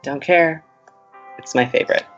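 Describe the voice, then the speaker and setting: Lovestruck young radio co-host, creaky, halting, tender teasing, audio rom-com, slightly muffled over music. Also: male voice, on the high side, fairly bright tone. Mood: playful, smitten. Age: young adult. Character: smitten, earnest, playful young male college radio co-host. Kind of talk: naturalistic audio romantic comedy acting.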